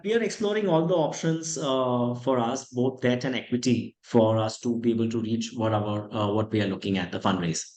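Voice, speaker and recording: Indian male executive on an earnings call, mid-pitched, explanatory, echoey room sound. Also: normal speed, hardly any pauses, darkish tone. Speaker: company executive answering investor questions. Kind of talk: conference call question and answer.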